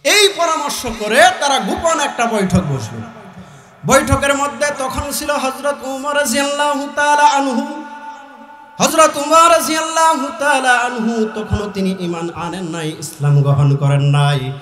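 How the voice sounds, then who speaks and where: A man with a Bangladeshi accent preaching a fervent Islamic sermon, declaiming in a drawn-out sing-song way and urging his listeners on. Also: very high voice, sharp tone, echoey room, faint music behind. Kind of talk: fervent Bengali waz sermon with chanted verse and recitation.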